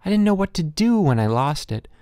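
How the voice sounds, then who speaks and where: A man's voice: a little high, sing-song, a little fast, dark tone, clean tone, dry recording, studio quality, pitched above the performer's own voice. A man voicing an anxious, earnest seven-year-old farm boy in a storybook, pleading and eager.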